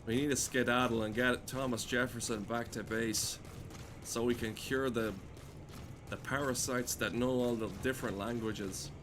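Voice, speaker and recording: A man's voice: medium pitch, fairly even intonation, moderate pace, background noise. A man streaming a game with casual, rambling commentary, sardonic and given to swearing.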